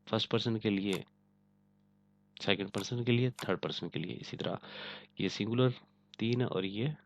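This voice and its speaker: A man's voice: on the low side, moderate pace, vocal fry. A man teaching a language lesson, patiently checking that his students follow. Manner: patient, repeats "ठीक है ना" to check understanding. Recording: dull lo-fi, dry close sound.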